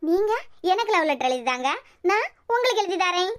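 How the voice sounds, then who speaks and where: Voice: very high-pitched, very animated, a little fast, fairly bright tone, full character voice. A performer voicing a playful, teasing young wife in a cartoon, chatty and wheedling. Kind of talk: cartoon voice acting.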